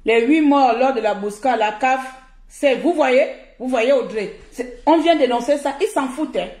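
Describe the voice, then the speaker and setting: High-voiced Gabonese woman ranting angrily. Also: normal speed, darkish tone. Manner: confrontational, scolding, repeats herself for emphasis. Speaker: social media live streamer. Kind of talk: heated live-stream rant. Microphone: phone. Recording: echoey room.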